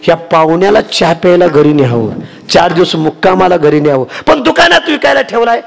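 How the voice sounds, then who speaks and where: A man's voice: sits high, big pitch swings, a little fast, vocal fry, in a large hall, heavily acted. A male preacher voicing a simple village husband who eagerly talks to himself.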